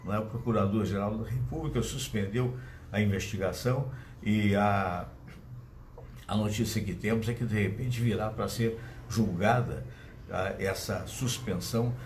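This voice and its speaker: A man's voice: lowish voice, darkish tone, slight background noise. A man with a Brazilian Portuguese accent hosting a live show, chatting in a digressive way and speaking straight to his audience, talking into a phone that he uses as a microphone. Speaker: host. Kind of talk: casual live show commentary. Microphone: phone used as microphone.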